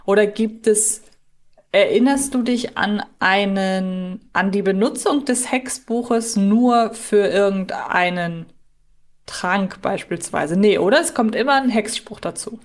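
A woman co-hosts a podcast, chatting casually with fellow fans in an inquisitive, think-aloud way. Her voice is mid-range and her pace slow.

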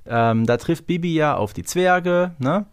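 Man chatting, very animated intonation. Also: a little high, unhurried, clear, resonant tone, no room sound, studio quality. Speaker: podcast co-host. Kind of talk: casual chat.

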